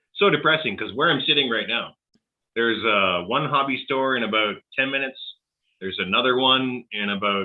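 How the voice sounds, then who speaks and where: A man with an unremarkable speaking voice and a Canadian accent talks fairly quickly at a medium pitch. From Ontario, Canada. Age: 40s. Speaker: live streamer. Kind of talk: casual chat.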